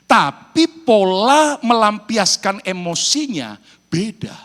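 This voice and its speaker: A man from Indonesia preaching a sermon as pastor, animated and calling out to his congregation. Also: sits high. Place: church hall in New York. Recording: reverberant church hall.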